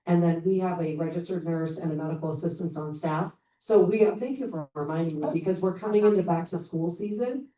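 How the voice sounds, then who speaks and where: A woman's voice: on the low side, mellow. A woman presenting a charity's services at a community meeting, upbeat and informal with many fillers. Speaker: charity program representative. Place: public meeting room. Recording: roomy distant meeting-room mic.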